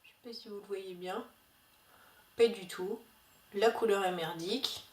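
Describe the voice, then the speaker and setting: Chatty woman vlogger, casual and halting, recorded a bit far off in an echoey room with faint hiss. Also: mid-range voice. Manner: chatty, hesitant with many fillers. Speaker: beauty vlogger. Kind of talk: casual haul video chat.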